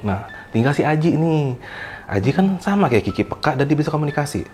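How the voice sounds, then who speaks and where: A man's voice: on the high side, sing-song, brisk, a little mellow, faint music behind. A man, casually telling a horror story as a guest, repeating words for emphasis.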